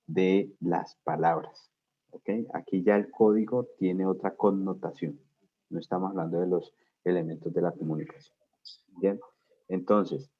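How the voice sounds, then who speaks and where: A man's voice: sits low, slightly rough. A man teaching a class, explaining step by step and often checking whether students follow. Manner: explanatory, asks students frequent check questions. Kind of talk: class lecture. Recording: dull lo-fi sound.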